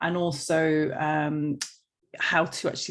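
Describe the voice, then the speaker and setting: Someone speaks with a British accent over a quiet background. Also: woman. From Britain. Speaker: podcast host. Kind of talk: interview.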